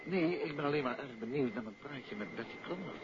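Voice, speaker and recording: An actor playing a genial, sceptical gentleman detective in a 1950s radio drama, urbane, wry and measured. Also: mid-range voice, lively intonation, a crowd in the background, close to an everyday voice. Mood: reassuring. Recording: dull, noisy old radio recording.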